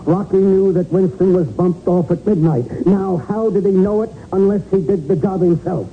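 Man playing high-voiced, excitable police sergeant. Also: normal speed, natural voice. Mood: insistent, frustrated. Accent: American. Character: earnest, dogged, excitable male police sergeant. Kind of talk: 1940s radio crime drama acting. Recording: narrow-band 1940s radio with faint noise.

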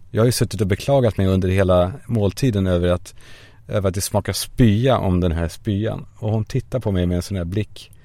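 Young male podcast host, gravelly and dark-toned, dry close sound from a parked car, self-mocking rambling monologue. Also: lowish voice, dry recording. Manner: self-mocking, swearing, acts out voices in quotes.

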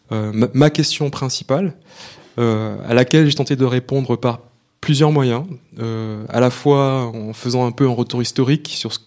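A young man from Martinique speaks at a public book talk about his research. His delivery is halting, full of fillers and repeated words as he searches for terms. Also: medium pitch, a little mellow. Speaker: author and researcher.

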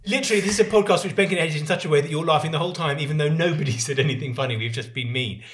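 A man co-hosting a podcast, chatting casually and teasing in quick banter. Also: fairly high pitch, a bit bright. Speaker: podcast co-host. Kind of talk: casual kitchen chat.

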